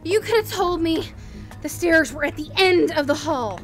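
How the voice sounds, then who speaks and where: An actress playing a determined but worried student on a failing space station, urgent and earnest, in an audio drama. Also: female voice, very high voice, expressive, moderate pace, over music. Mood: anxious urgency.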